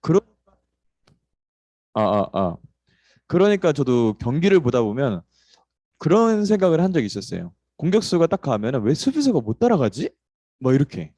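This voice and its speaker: A man's voice: a little high, very animated, moderate pace, long pauses, warm tone, no room sound. A man hosting an online morning session, talking in a chatty way with many fillers before he introduces the speaker. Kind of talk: casual introductory talk.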